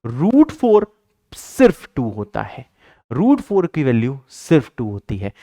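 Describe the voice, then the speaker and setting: A man's voice: medium pitch, wildly swooping pitch, unhurried, warm tone, dry recording, clean studio sound. A male math teacher giving an exam-prep lecture, emphatic and repetitive, raising his voice to stress points and teasing his students playfully.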